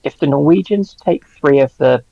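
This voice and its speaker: A man's voice: a little high, normal speed, vocal fry, no echo. A man chatting casually as a panelist in a discussion, recorded with slightly dull, lo-fi sound.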